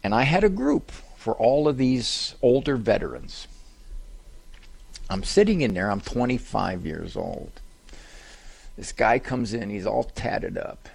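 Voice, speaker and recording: Animated older man with gravelly voice. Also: medium pitch, unhurried. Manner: animated, self-deprecating joking. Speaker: radio talk show host and psychologist. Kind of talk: live talk show, humorous storytelling. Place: live event on a cruise ship.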